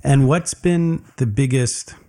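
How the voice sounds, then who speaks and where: Gentle, encouraging male music-show host. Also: mid-range voice, takes it slowly. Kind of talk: broadcast interview with a young musician.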